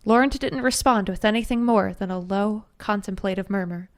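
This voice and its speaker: A woman narrating a first-person fantasy story in a steady, even storytelling manner. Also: mid-range voice, moderate pace.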